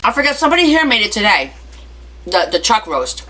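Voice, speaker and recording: A woman chats her way through a casual livestream, talking straight to her viewers. Her voice is bright and very expressive, swinging up and down as she tells stories. A faint hiss sits under the recording. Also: mid-range voice, fairly quick, low-quality recording. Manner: chatty, animated, addresses viewers. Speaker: livestream host.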